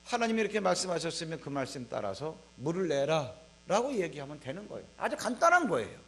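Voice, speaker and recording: A male head pastor preaches a Sunday sermon in a conversational, animated way, acting out the scripture he reads. His voice is high and swings widely across his phrases. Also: fast talker.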